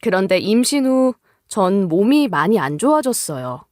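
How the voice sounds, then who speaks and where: A woman's voice: mid-range voice, big pitch swings, normal speed, darkish tone, no room sound, studio quality. A woman reading a scripted first-person story as its narrator.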